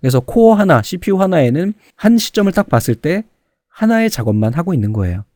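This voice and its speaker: A man's voice: fairly high pitch, very animated, brisk, dark tone, no room sound, clean studio sound. A man giving an informal exam lecture, explaining conversationally and often answering his own questions. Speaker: online computer certification lecturer.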